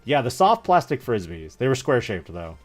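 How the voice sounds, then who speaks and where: A man in his thirties chatting casually on a livestream, rambling and joking in an animated way as he tells stories. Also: medium pitch, fairly quick, faint music behind. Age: 30s. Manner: rambling, animated, jokey storytelling. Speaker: streamer opening trading card packs.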